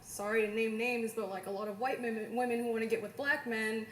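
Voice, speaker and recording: A woman's voice: a little high, steady tone, fast, a little hiss or hum. Young woman in a roomy studio. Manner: hedging, lots of "like". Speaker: panel guest. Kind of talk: casual discussion.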